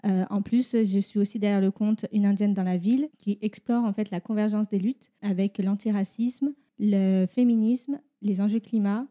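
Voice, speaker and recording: A woman's voice: mid-range voice, fairly even intonation, normal speed, hardly any pauses, mellow. A woman activist guest speaking earnestly and articulately, with some stammering. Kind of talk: interview answers.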